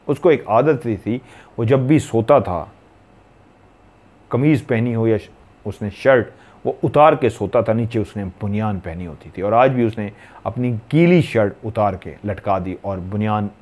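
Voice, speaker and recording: A man's voice: on the low side, darkish tone. A man from Pakistan narrating a horror story in a dramatic, suspenseful way.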